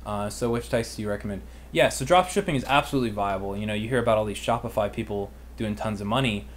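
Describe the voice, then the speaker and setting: American guy in his 20s, kinda low voice, slangy casual livestream q&a, bit of background noise. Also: fast. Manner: informal, youthful slangy phrasing. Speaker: online business livestream host and mentor. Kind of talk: casual chat, answering live viewer questions.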